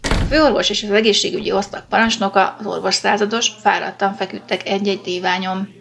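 A woman narrating a science fiction story in a steady, measured audiobook reading. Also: medium pitch, vocal fry, background noise.

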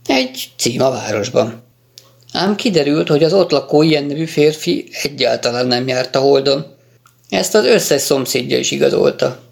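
A man narrating an audiobook in an even, measured way. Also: mid-range voice, creaky. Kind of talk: audiobook reading.

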